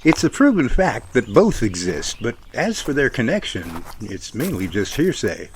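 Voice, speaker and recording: A man's voice: mid-range voice, very animated, normal speed, slight background noise. Man playing a thoughtful mid-voiced friend. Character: thoughtful, cautious man chatting with his friend. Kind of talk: audio drama dialogue.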